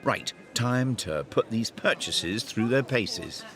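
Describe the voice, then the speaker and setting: Wry male narrator with lively, swooping delivery. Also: medium pitch, slow, music in the background. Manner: playful, wry. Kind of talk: light scripted TV narration with wordplay.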